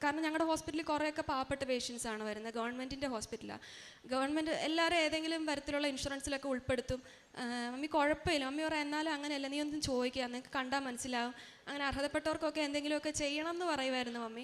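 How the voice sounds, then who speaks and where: Here a woman speaks at a high pitch. Her intonation is fairly even. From Kerala, India (Changanassery). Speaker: paediatric doctor. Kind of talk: testimony.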